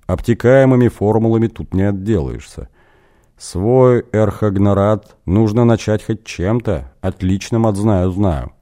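A man reading a fantasy novel aloud as an audiobook narrator, in a measured storytelling way. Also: fairly low pitch, mellow.

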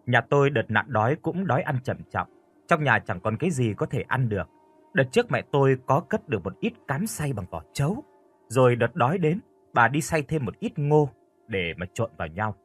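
Husky man narrating a dark story. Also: medium pitch, sing-song, normal speed, faint music behind. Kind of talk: scripted first-person horror narration.

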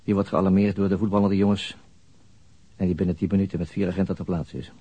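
An actor playing a weary, haunted narrator in a radio crime drama, musing slowly and introspectively. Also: male voice, low-pitched, flat delivery, lo-fi sound. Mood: somber, bitter. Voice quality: husky, breathy. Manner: slow, introspective, halting monologue. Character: brooding, weary male narrator haunted by a murder.

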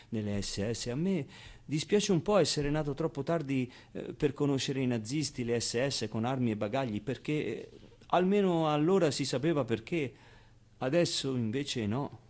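An actor playing a streetwise, tender orphaned Muslim boy in a theatrical monologue, confiding in the audience in a halting, colloquial way. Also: medium pitch, darkish tone, close to an everyday voice. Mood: wry, musing.

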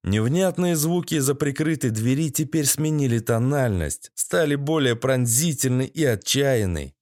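A man's voice: mid-range voice, lively intonation, moderate pace, a little mellow, no echo, clean studio sound. A man reading a first-person audiobook in a gritty, sardonic storytelling manner. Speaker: audiobook narrator.

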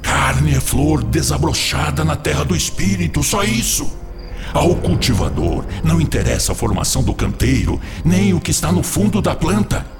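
A man's voice: on the high side, big pitch swings, moderate pace. A man playing a cunning, lustful tempter spirit in a radio drama, theatrical, insistent and persuasive. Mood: urgent seductive persuasion. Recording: music behind the voice.

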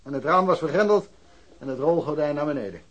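Offhand police detective, slightly husky, blunt, dismissive, radio crime drama. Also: male voice, a little high, lively intonation, fast talker, a bit bright, low-quality recording. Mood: self-assured. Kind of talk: Dutch radio drama acting.

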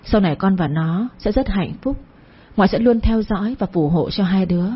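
A woman voicing the gentle ghost of an old grandmother who speaks softly and tenderly. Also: medium pitch, animated, normal speed, breathy edge, highs cut off. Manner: soft, tender and consoling.

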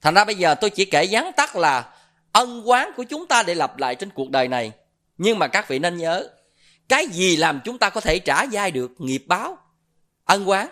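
A Buddhist preacher delivers a dharma sermon at a middling pitch. The speaker keeps putting questions to the listeners and repeats filler words while searching for the next phrase. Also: big pitch swings, normal speed, pushed and bright. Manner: asks the audience rhetorical questions.

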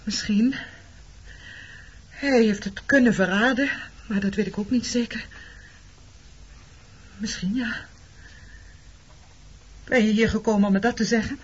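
An actress playing a defensive, grieving woman in a Dutch radio drama, speaking in a halting, emotional, pleading way. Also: on the high side, fairly even intonation, husky. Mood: uncertain. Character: defensive grieving woman, shunned for loving an enemy officer. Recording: dull lo-fi radio play recording.

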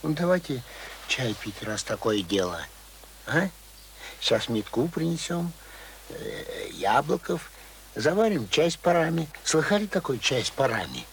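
An actor playing a cheerful, talkative, stubborn old village pensioner in a radio play, with rustic speech full of fond diminutives. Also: male voice, on the high side, sing-song, a little slow, slight background noise. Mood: cosy, jovial. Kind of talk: radio drama acting.

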